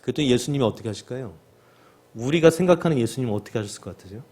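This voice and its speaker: A male pastor preaching a sermon, often asking the congregation questions and loudly acting out the cries of the sick. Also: medium pitch, expressive, very fast. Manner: asks the congregation rhetorical questions and acts out the lepers' cries.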